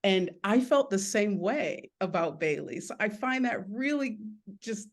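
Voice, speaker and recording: A woman's voice: mid-range voice, lively intonation, unhurried. A woman guest chatting casually in a video call interview about creative work, speaking in an earnest, appreciative way. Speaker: illustrator and author guest.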